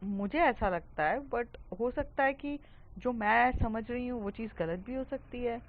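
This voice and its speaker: A woman voicing a teenage schoolgirl who gently reassures a friend, in a soft manner. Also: fairly high pitch, a little slow, narrow, tinny audio. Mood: reassuring.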